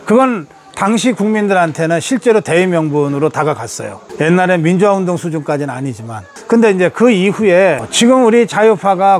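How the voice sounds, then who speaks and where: Older guy in his 60s doing politics commentary, pretty high voice, emphatic, talks like he's giving a lecture with chatty asides. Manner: emphatic, rhetorical, colloquial asides. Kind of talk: political lecture, answering audience questions.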